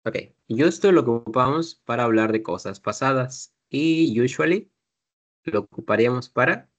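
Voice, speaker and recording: A man's voice: mid-range voice, expressive, moderate pace. Patient male teacher. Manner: patient, explains step by step, drills pronunciation. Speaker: English teacher. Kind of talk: classroom teaching.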